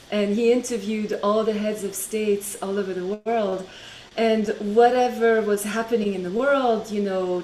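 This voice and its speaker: A woman's voice: mid-range voice, darkish tone, a little hiss or hum. Middle-aged French-accented woman, chatty guest on a video call, laughs easily, echoey room. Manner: chatty, laughs between phrases. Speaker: interview guest. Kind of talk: casual video-call interview.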